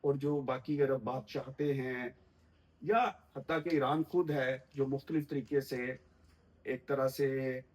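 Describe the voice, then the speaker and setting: A middle-aged man speaks in an interview as a political commentator. His delivery is measured and formal, and he pauses often with a soft "uh" as he builds his argument. His voice sits at an ordinary middle pitch. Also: fairly even intonation, poor audio.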